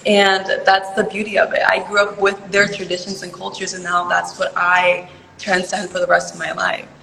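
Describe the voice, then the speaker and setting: Young woman, low-ish voice, earnest and chatty, recorded in a roomy space with a long echo. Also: completely flat delivery, normal speed, vocal fry, pushed and bright, slight background noise. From born in Peru, raised in California. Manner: chatty, earnest, fills talk with "like" and "you know". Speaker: pageant contestant interviewee. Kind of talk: casual interview answers. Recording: echoey room with long reverb.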